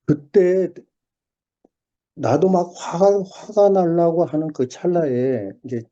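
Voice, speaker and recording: A middle-aged man recounting a personal experience as a testimony, animated and full of restarts, over a video call. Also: a little high, takes it slowly. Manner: storytelling, animated, with many restarts and fillers. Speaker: church member sharing testimony. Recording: dull lo-fi video call audio.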